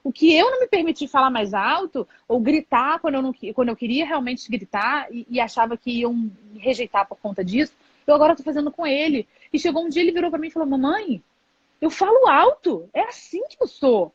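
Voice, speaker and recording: A high-voiced woman in her thirties shares her thoughts as a mother on a live stream, reflective and open, often closing with "né". The sound is dry and dull, like lo-fi stream audio over a video call. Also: animated, quick pace, breathy edge, no room sound. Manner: reflective, candid, many filler "né". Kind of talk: casual conversation on a live stream.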